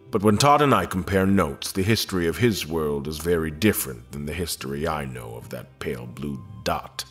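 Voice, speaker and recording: An actor playing a dignified, reserved space admiral who speaks in formal, measured, articulate phrases in an audio drama. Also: male voice, low-pitched, slightly rough.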